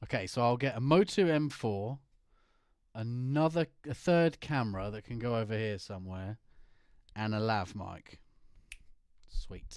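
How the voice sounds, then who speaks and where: Quiet, fairly slow speech in a British accent, long and frequent pauses, very clean recording with a silent background. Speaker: DJ and music producer streamer. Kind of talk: casual live stream chat. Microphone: broken mic stand, mic off to the side, quiet.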